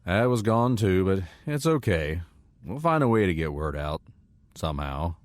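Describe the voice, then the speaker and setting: A man's voice: deep voice, big pitch swings, moderate pace, no echo, clean studio sound. An actor playing a lonely, protective man long stranded as a castaway in an audio drama. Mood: relieved, guarded.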